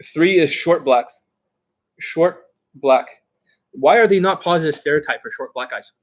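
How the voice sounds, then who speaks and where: A man giving informal coaching to online viewers as their host, brash and boastful, with emphatic, sweary delivery and a slightly rough, husky voice. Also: on the high side, a little slow. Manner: acts out mock exchanges, emphatic.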